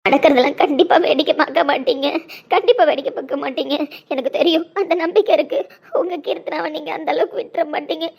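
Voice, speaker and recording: A woman's voice: sits high, quick pace, vocal fry, a little mellow. A woman voicing a young woman desperately in love, pleading and repeating herself in an emotional audio drama. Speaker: lead character in an audio drama.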